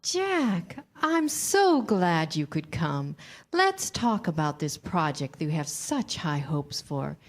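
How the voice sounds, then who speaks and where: Theatrical, low-voiced female Hollywood producer , acted by a woman. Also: big pitch swings, slow pace, exaggerated voice. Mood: smooth, flattering. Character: seductive, manipulative, coolly dismissive female Hollywood producer. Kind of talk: staged screenplay reading.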